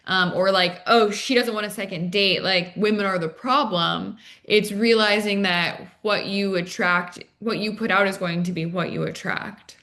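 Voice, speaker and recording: A woman's voice: medium pitch, steady tone, normal speed, few pauses, sharp tone. A woman from Arizona with an American accent, talking conversationally as an interview guest and dating coach, casually peppering her speech with "like" and "you know". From Arizona, United States.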